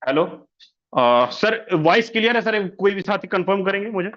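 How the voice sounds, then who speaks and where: A man's voice: high-pitched, expressive, normal speed, a bit bright, highs cut off. A man giving a sales presentation over an online meeting, repeating each figure and firing rhetorical questions at listeners he keeps calling sir. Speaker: business presenter.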